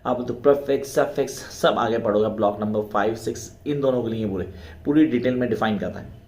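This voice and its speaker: Male tutor, mid-pitched, repeats key terms slowly, echoey room. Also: a little mellow. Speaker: teacher. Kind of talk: exam preparation lecture.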